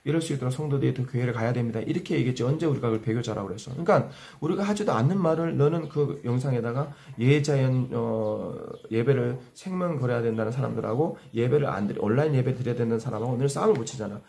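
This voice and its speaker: Gravelly-voiced man, angry ranting commentary. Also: mid-range voice, fast talker, few pauses, warm tone. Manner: heated, insulting, repeats cursing phrases. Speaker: YouTube commentator.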